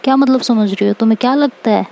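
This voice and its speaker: A sharp-tongued young woman fires off indignant questions one after another in a raised voice that still sounds mellow and soft-edged, voiced by a woman narrator. Her scolding comes out quick and pointed. It is a spoken love-story reading. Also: on the high side, gravelly. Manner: scolding, rapid rhetorical questions.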